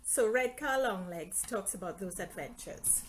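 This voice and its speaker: A middle-aged woman from Trinidad and Tobago talks in a friendly, chatty way about her books on a live stream. Her voice sits at an ordinary middle pitch for a woman. A faint hiss of noise runs under the recording. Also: animated, unhurried, poor audio. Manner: friendly, chatty, reads aloud from her book. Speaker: author hosting a live stream. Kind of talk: casual live-stream talk and reading.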